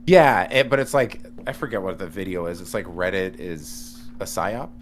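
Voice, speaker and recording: A man in casual podcast chat, talking in an animated, rambling way with many restarts. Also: deep voice, moderate pace, crowd noise. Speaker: podcast guest.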